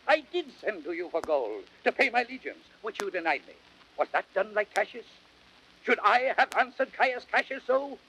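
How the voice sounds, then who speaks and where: An actor playing a proud, stern, honour-bound Roman general, declaiming measured verse in a classical Shakespearean audio drama. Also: male voice, high voice, expressive, bright, forceful tone, full character voice. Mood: indignant, scornful. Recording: noisy vintage drama record.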